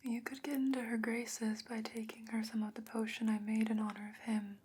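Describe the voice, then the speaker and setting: A woman playing a calm, knowing, secretive potion maker in a soft-spoken ASMR fantasy roleplay, whispering slowly and breathily with measured, hesitant pauses. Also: a little high, slight background noise, lightly acted. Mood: conspiratorial, reluctant.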